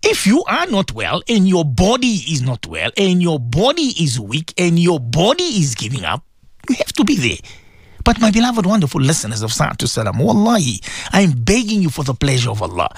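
Man, middle-aged, radio host, emotional, pleading, lively pitch, dry close sound. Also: moderate pace, breathy edge, dry recording. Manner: emotional, pleading, repeats himself. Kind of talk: religious radio talk to listeners.

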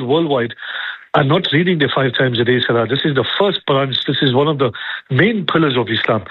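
Over a tinny, phone-like radio line, a man preaching Islam gives a religious lecture in a husky, mid-range voice with no echo. He repeats himself, lays out point after point and keeps asking rhetorical questions.

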